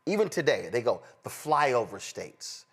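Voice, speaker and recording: A man with a Texan accent hosting political commentary, emphatic, jumping between high exclamations and low asides. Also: very animated, measured pace, slightly rough. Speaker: host.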